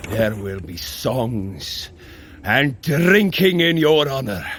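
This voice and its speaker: An actor playing a hearty warrior god of thunder, speaking in a heroic, archaic, declamatory manner in an audio adventure. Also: male voice, medium pitch, expressive, slow pace. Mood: weary relief. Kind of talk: dramatic audio adventure acting. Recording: loud effects and storm-like noise. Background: loud ambient effects noise.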